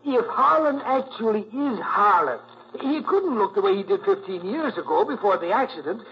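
A man playing an excitable, easily muddled, slangy detective's sidekick in a 1940s radio drama, grumbling and stammering. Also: high-pitched, normal speed. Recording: muffled old 1940s radio recording.

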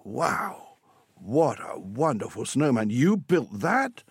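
A man reading a storybook as a cross farmer dad who softens into pride. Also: medium pitch, very animated, fairly quick, gravelly, dry recording, studio quality, voice pushed up. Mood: amazed.

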